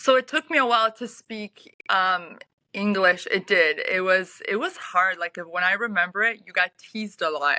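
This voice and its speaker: With a bright, sharp tone, a woman speaks in a medium pitch at a moderate pace with ordinary pitch variation, and the sound is dry and close with no echo. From Canada, small town, born in Poland. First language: Polish. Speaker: fashion model and mentor. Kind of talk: interview. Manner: halting.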